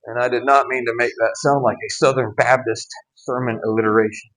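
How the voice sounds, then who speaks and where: A man's voice: mid-range voice, fairly even intonation, a bit bright, poor audio. Casual man teaching scripture, wry asides. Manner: conversational, wry, with asides and quick laughs. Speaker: Bible teacher. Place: home gym.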